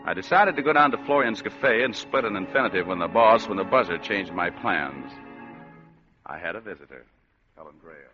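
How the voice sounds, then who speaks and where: A man's voice: fairly low pitch, lively intonation, normal speed, close to an everyday voice. A man playing a hard-boiled private detective who narrates with dry, sardonic wisecracks in a vintage radio drama. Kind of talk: 1940s radio acting. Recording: muffled old radio broadcast with music.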